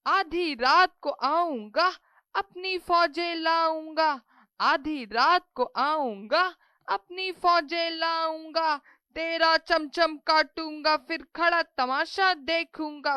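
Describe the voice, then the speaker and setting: A woman's voice: extremely high pitch, slow pace, bright, forceful tone, dry recording, studio quality, pitched above the performer's own voice, heavily acted. A woman voicing a boastful little male mouse in a children's cartoon story, chanting his threats in a sing-song way. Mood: cocky, threatening.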